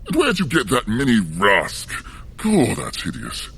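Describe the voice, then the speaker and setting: A man's voice: fairly low pitch, wildly swooping pitch, a little slow, vocal fry, a bit bright, slightly rough, exaggerated voice. A man playing a blunt, gossipy giant servant in an audio drama, nosy and exclamatory. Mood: scolding, nosy.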